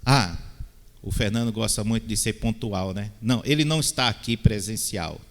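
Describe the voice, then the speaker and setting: A man with a fairly low voice preaches a sermon in a church. He draws the congregation in with call-and-response and playful asides. His voice carries a long reverb from the hall. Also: normal speed. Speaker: pastor.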